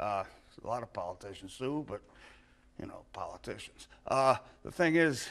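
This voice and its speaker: The man keeps a fairly slow pace, his voice pitched in the medium range. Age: 60s. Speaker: political candidate. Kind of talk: interview. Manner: animated; halting.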